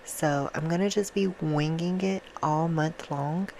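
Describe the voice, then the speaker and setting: A soft-spoken woman chatting casually and affectionately to her viewers in an ASMR style, with an informal, self-deprecating manner. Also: deep voice, unhurried, slight background noise. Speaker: ASMR video creator and host.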